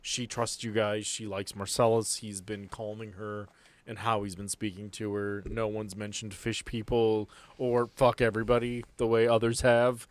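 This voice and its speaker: Low-voiced man running a tabletop game. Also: flat delivery, normal speed. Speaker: game master. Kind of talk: improvised tabletop game narration.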